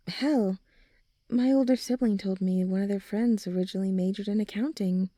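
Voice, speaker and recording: A supportive teenage girl played by a woman speaks in a mellow, relaxed voice, recorded close and dry. She is gentle and reassuring, chatting informally like a caring best friend in an ASMR audio drama. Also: medium pitch, dry recording, natural voice. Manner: gentle, reassuring, informal, often sighing or softly laughing.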